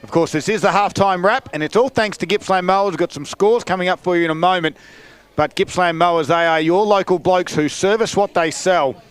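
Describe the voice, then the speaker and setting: An Australian man gives the halftime wrap of a country football match outdoors. His voice sits a little high and rings clean and smooth, and he keeps an easygoing, joking manner with his co-hosts. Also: a little fast. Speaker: play-by-play commentator. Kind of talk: halftime sports commentary with ad reads.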